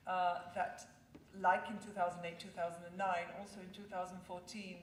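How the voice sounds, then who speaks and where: A woman's voice: medium pitch, slight background noise. A woman from Israel giving a conference talk, thoughtful and hesitant, with many ums and restarts. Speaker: conference speaker. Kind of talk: public talk. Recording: echoey room, mic at a distance.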